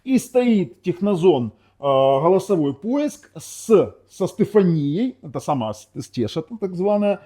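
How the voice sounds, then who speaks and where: Ukrainian-native guy doing a rambly tv box demo, mellow voice, bouncy pitch, keeps fixing his words. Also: sing-song, takes it slowly, hardly any pauses. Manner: rambling, self-correcting, with sarcastic asides. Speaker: tech reviewer. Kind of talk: casual product demo talk.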